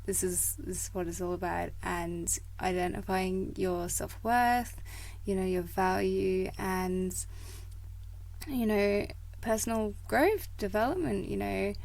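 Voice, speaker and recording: A woman hosting a motivational podcast in a casual, rambling way, full of fillers and little laughs, her voice croaky from a coming cold. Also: mid-range voice, takes it slowly, darkish tone, rough recording. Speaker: podcast host.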